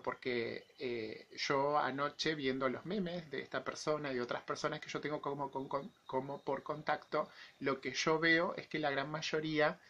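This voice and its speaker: The audio is muffled as a man in his forties, a YouTube vlogger with an Argentine accent, shares his opinions in a monologue to camera. His voice is on the high side with a fairly bright tone, still marked by an infection he's recovering from.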